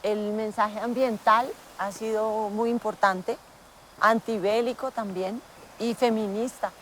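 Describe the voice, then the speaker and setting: A woman from Colombia, a band member speaking briskly and matter-of-factly in a documentary interview. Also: medium pitch, fairly even intonation, slight background noise.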